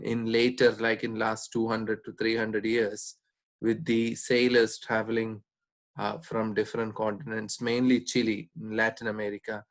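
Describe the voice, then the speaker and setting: Speaking at a medium pitch, a man explains things informally as a doctor. He's measured and hesitant, pausing often.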